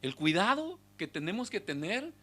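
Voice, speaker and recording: A man preaching a sermon as pastor, swinging between loud exhortation and hushed asides to the congregation. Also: high voice, very animated, moderate pace. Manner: speaks directly to the congregation with rhetorical questions.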